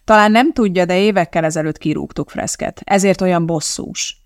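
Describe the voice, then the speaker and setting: A blustering, indignant lab director, as the narrator puts him on protests in a raised, strained voice. It is read close and dry, with a gravelly edge to the tone. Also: medium pitch, no echo, natural voice.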